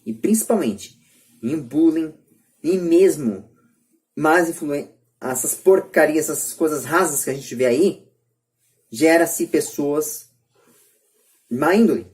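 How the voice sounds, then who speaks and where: A man's voice: fairly high pitch, expressive, takes it slowly, long pauses, darkish tone. A man with a Brazilian accent talking earnestly and emphatically on a podcast, repeating himself to press his points. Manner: emphatic, repetitive. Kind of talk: earnest opinionated podcast talk. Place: at home, remote group call.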